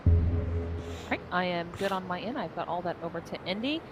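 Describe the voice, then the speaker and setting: A woman's voice: fairly low pitch, expressive, fairly quick, music in the background, low-quality recording. Upbeat woman co-casting esports. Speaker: esports co-caster. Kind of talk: casual esports commentary.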